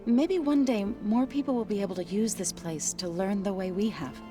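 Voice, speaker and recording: A gentle tribal woman from a video game, played by an actress, curious and devoted to nature. She talks earnestly and carefully at a medium pitch, a little formally. Soft music runs behind her. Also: normal speed, lightly acted.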